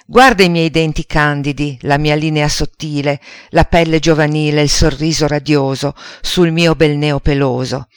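A man voicing a skinny, sour old aunt in a storybook reading, with a shrill voice and an acid, scornful manner. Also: steady tone, normal speed, hardly any pauses, clean tone, no echo, clean studio sound, natural voice.

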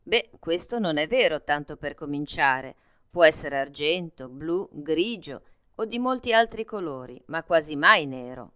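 A woman's voice: low voice, expressive, unhurried, fairly bright tone, smooth, dry recording. A woman voicing a patient, firm mother barn owl in a children's story, speaking in an instructive way. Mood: explaining.

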